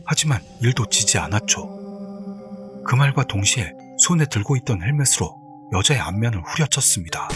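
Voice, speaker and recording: A man narrating a scripted horror story in a dramatic, suspenseful way. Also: on the low side. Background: background music.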